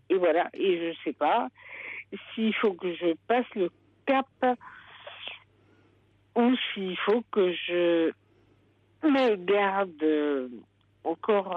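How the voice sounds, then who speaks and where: A woman calling in to a radio show on a cordless home phone, speaking hesitantly and haltingly through a muffled line. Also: on the low side, dry recording. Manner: hesitant, halting, with many pauses. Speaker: caller. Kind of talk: late-night radio call-in confession. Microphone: cordless home phone handset.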